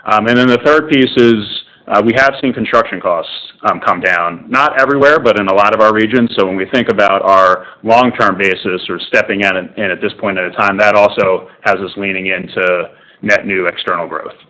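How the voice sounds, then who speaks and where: A man's voice: on the low side, a little fast, pushed and bright, rough recording. A man speaking as a company executive, making structured, emphatic points in an unscripted call answer.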